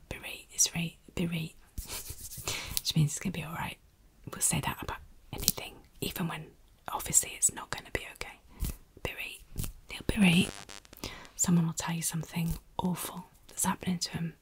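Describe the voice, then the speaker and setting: A woman's voice: deep voice, rough recording. Whispering woman with a Yorkshire accent. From Yorkshire, England. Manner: soft repetitive whispering of single words. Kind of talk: whispered ASMR teaching of dialect words.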